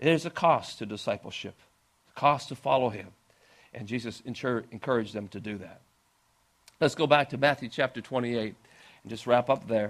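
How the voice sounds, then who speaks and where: Speaking at a fairly quick pace, a man uses a medium pitch with ordinary pitch variation. The recording is very clean, with a silent background. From Canada, rural southern Alberta. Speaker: visiting pastor. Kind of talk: sermon.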